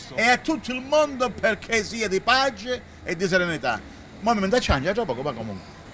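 A man's high, raised and projected voice, animated, with very wide pitch swings and a fairly quick pace over light background noise. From Calabria, southern Italy. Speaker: local TV show host. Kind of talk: on-location street interviews at a market. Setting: outdoors at a market. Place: street. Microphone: handheld.

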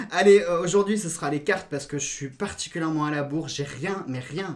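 A man is speaking at a moderate pace. His intonation is lively. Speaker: card reader, channel host. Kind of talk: casual vlog chat. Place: home room.

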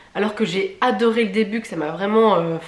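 A woman talks at a moderate pace with fairly even intonation, and room echo can be heard. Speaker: book YouTuber. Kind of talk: book review vlog. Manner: hesitant, many fillers. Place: home room.

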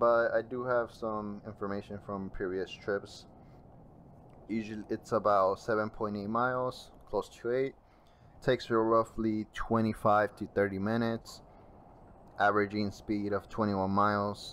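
Against light background noise, a man speaks at a moderate pace with a fairly low pitch and monotone, flat intonation. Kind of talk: casual vlog chat.

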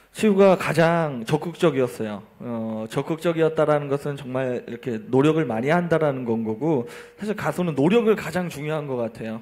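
A man's fairly high voice with lively intonation, a very fast pace and hardly any pauses. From South Korea. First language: Korean (speaking Vietnamese). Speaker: music producer. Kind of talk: interview answer at a music showcase event. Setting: stage at a showcase event. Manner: halting, many filler pauses. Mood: polite, earnest. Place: stage.

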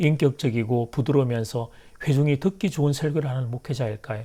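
Speaking at a moderate pace, a man with a fairly high pitch has a dark, mellow, somewhat breathy tone on a very clean recording with a silent background. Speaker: pastor. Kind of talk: sermon.

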